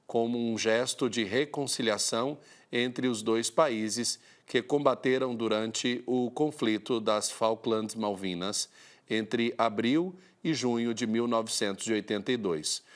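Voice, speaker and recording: A priest hosting a Catholic TV program, reading church news in a steady, formal newsreader manner. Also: male voice, fairly low pitch.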